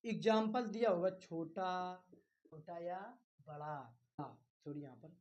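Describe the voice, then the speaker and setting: A male teacher giving an exam-prep grammar lecture, repeating key terms, firing questions at his students and coaxing them along. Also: sits high. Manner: reassuring, coaxing with "bhai".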